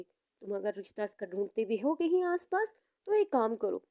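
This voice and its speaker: A woman's voice: on the high side, dark tone. A woman playing a possessive, doting middle-aged rich mother in a story, insistent and emphatic.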